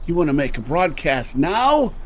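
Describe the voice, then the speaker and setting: Nervy folksy driver guy, a bit high voiced, frets a lot, noisy sound. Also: sing-song, moderate pace. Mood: jittery. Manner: jittery, folksy, talks to his truck. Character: nervous folksy truck driver. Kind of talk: radio drama acting. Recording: noisy radio-play track with effects.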